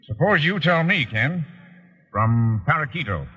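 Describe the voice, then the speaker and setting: An actor playing an exasperated agency chief in an old radio drama, emphatic and theatrical. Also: male voice, on the high side, animated, unhurried, pushed and bright, husky, exaggerated voice. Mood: grave. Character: exasperated male agency chief, gruff authority. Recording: thin phone-like, echoing old radio recording.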